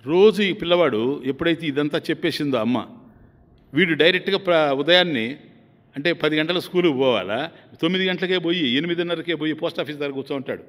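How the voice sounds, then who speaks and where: A man's voice: fairly high pitch, a little fast, a bit bright. A man giving a religious discourse as a swami, telling an emotive story and turning often to his listeners, heard in a long hall reverb. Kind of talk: sermon storytelling.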